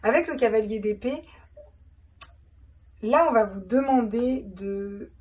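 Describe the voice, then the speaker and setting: Casual tarot reader, woman, husky higher voice, recorded slightly distant. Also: slow, a little mellow. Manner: chatty, repeats words, laughs at herself. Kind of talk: casual tarot reading to camera.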